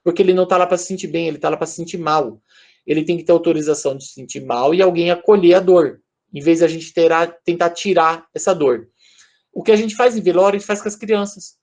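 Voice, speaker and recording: A man's voice: on the high side, steady tone, quick pace. A man with a Brazilian accent giving an informal lecture over a video call, speaking conversationally and addressing his audience directly.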